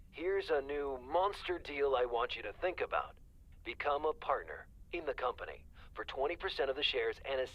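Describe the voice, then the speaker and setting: An actor playing a boastful, enthusiastic company boss in a video game, talking grandly over a muffled phone call. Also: male voice, medium pitch, a bit bright, slightly rough. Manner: grandiose salesman-like delivery.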